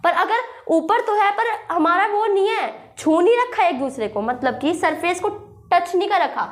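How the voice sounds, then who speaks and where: Woman, young, high-pitched, slightly sore throat, repetitive classroom explaining. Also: lively intonation. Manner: repetitive, checks understanding with "thik hai"; reads English example sentences slowly. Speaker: English grammar teacher. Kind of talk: classroom lesson, explaining with examples.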